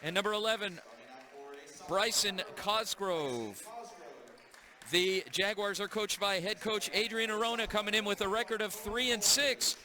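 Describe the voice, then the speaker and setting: A man calling a live high school basketball game play by play in a gym, brisk and energetic. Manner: brisk, energetic call of the action. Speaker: play-by-play announcer.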